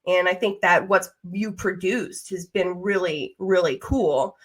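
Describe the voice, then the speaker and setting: A woman's voice: on the low side, unhurried. A woman, around her thirties, hosting a casual conversational interview in a chatty, informal way. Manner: chatty and informal, with mild swearing. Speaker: podcast host interviewing a guest.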